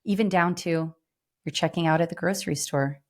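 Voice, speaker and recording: A woman's voice: on the low side, a little fast, darkish tone. A woman co-hosting a podcast, talking in a reflective, conversational way. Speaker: podcast co-host.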